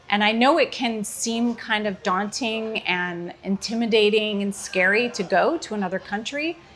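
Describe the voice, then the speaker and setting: A woman with an American accent speaks at a fairly high pitch, with hardly any pauses and ordinary pitch variation. Noticeable background noise runs underneath. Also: moderate pace. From Chicago, US Midwest. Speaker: comedian and podcast host. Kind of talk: casual chat.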